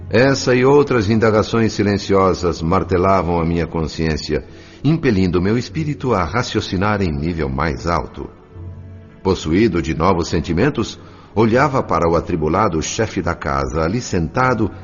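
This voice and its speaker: An actor playing a reflective, compassionate narrator in a radio drama audiobook, with a Brazilian accent. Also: male voice, low-pitched. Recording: slightly dull sound. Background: faint music.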